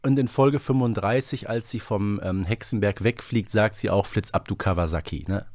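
A man's voice: lowish voice, normal speed, a little mellow, no echo. Man chatting in a very dry recording. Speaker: podcast co-host. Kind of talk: casual fan discussion, analytical chat.

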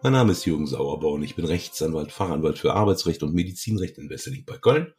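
A middle-aged man hosts a casual podcast in an extremely low voice. It has a rough smoker's rasp, gravelly and grating. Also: animated, fast talker, a little mellow, soft background music. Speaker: podcast host, lawyer.

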